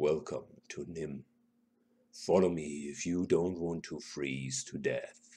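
A man speaks at a fairly slow pace in a put-on character voice pitched very deep and low. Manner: slow, measured.

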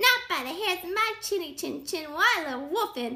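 Shouting in a put-on character voice, the speaker has a bright, sharp tone, lively intonation and a moderate pace. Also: woman, extremely high pitch for a woman.

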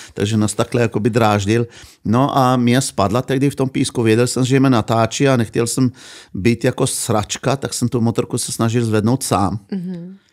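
Over a quiet background, a man with a Slovenian accent speaks with ordinary pitch variation. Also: moderate pace. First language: Slovenian (speaking Czech). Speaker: motorcycle traveller; podcast guest. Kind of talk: casual interview. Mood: relaxed, amused storytelling. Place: studio. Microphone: studio mic.

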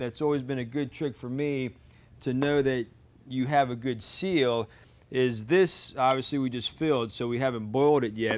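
The man's intonation is fairly even. His pace is moderate. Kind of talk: tutorial. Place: kitchen.

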